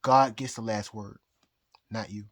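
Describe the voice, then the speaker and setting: A man's voice: fairly low pitch, fairly even intonation, unhurried. A tipsy man delivers a loose, personal rant. He halts, doubles back and repeats his phrases as he goes. His delivery is emphatic and defiant, with an unscripted, rambling flow. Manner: emphatic, defiant talk of fate and God. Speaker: astrologer.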